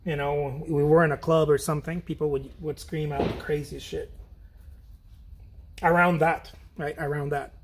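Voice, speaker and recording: A man's voice: on the high side, little pitch movement, moderate pace, background noise. A man chatting casually while he paints on a livestream, rambling, repeating his phrases and swearing now and then. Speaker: painter streaming a demo.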